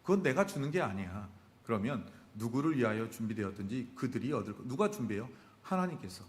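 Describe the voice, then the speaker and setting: Animated preacher in a reverberant church. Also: male voice, medium pitch, fairly quick. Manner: asks the congregation rhetorical questions and answers them himself. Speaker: pastor. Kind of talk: sermon. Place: church sanctuary.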